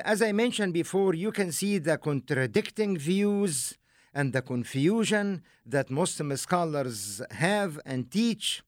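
A man from Egypt, giving a deliberate, emphatic teaching lecture with rhetorical asides. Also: on the high side, dry recording, studio quality. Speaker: religious lecturer.

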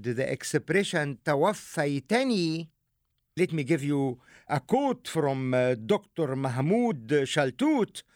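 A man from Egypt, giving a deliberate, emphatic teaching lecture with rhetorical asides. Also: on the high side, no echo, clean studio sound. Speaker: religious lecturer.

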